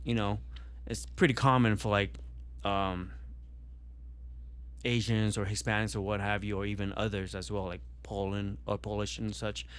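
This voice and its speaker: A man's voice: lowish voice, flat delivery, normal speed, smooth. A young man born in Vietnam, talking casually on a podcast and rambling with many fillers and restarts. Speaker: podcast guest.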